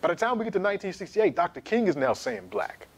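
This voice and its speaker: A man in his thirties giving an emphatic, animated history lecture to camera in a small studio. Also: high voice, quick pace. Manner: animated, emphatic, gesturing while pacing.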